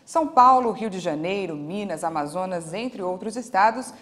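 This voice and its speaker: A woman's voice: medium pitch, animated, fairly bright tone. Woman news anchor reading live. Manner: crisp, measured delivery. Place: outdoor studio set with trees. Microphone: lapel mic.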